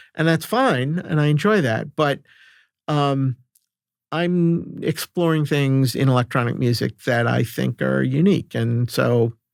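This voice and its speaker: Here a man with an unremarkable speaking voice, medium in pitch and with ordinary pitch variation, talks at a fairly slow pace and at very even loudness. The recording is very clean, with a silent background and a dry, close sound with no echo. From New England, Boston area. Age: 60s. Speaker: music professor and composer. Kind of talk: podcast interview.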